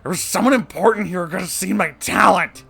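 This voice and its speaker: A man acts out an entitled schoolboy in a read-aloud story. He is indignant and whiny, complaining in a raised, high-pitched shout. Soft guitar music plays behind him. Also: fairly quick, creaky, breathy edge, full character voice. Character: whiny entitled boy band student, jealous and indignant.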